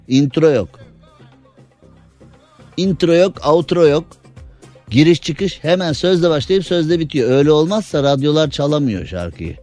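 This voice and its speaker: A man's voice: a little high, a little mellow. A male radio host in casual studio talk, chatty and opinionated, full of rhetorical questions.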